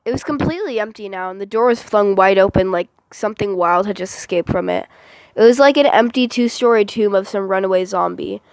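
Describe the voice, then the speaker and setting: A woman giving a deliberate, expressive dramatic reading of first-person novel narration, as for a voice audition. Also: medium pitch, smooth, no echo.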